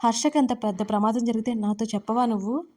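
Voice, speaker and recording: A woman's voice: on the high side, fast talker, close to an everyday voice. A woman voicing a fierce, scolding young wife. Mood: probing. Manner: sharp scolding, then pleading.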